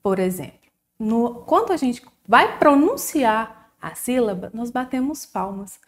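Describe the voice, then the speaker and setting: Brazilian woman, children's teacher, lively pitch, unhurried sing-song delivery. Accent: Brazilian Portuguese. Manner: slow, sing-song, drawn-out syllables for young pupils. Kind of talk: recorded children's lesson.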